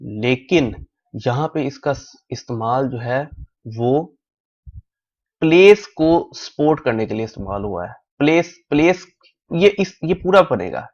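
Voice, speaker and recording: Slow-spoken male language teacher. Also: medium pitch, animated, darkish tone. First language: Urdu. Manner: slow, repeats drill phrases many times. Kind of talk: recorded classroom lecture. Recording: dull lo-fi recording.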